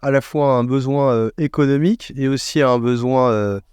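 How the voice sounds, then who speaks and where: A man speaking as an expert podcast guest in a conversational interview, explaining things in a measured way as he thinks aloud. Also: mid-range voice, steady tone, a little mellow, clear, resonant tone, no echo, studio quality.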